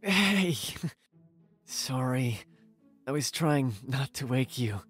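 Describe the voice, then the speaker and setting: A man playing an evasive boyfriend in a late-night audio drama scene, speaking hushed and hesitantly. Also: mid-range voice, lively intonation, extremely slow, slightly rough, soft background music, full character voice. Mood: evasive, placating.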